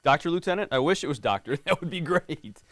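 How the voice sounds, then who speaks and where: This middle-aged police lieutenant talks fast, with a fairly high, bright, expressive voice. He reads a picture book to a class of schoolchildren in a friendly way, quizzing them often and frequently asking "right?"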